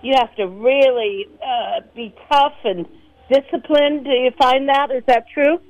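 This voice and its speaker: A woman's voice: high-pitched, measured pace, dry recording, dull audio. A woman co-hosting a radio show, chatty and enthusiastic toward the guest. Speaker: radio co-host. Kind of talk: radio interview.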